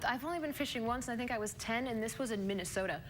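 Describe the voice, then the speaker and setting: A woman from Portugal, an actress and talk show guest, playful and quick to laugh. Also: a little high, slight background noise. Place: television studio with audience.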